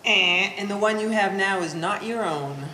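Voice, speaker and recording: A woman's voice: mid-range voice, moderate pace, sharp tone, close to an everyday voice. A woman playing a judgmental, sanctimonious Catholic daughter in a stage play, sardonic and pompous in her wording. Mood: sardonic, righteous. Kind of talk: one-act stage play performance. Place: gallery stage performance, indoors. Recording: echoey hall with faint noise.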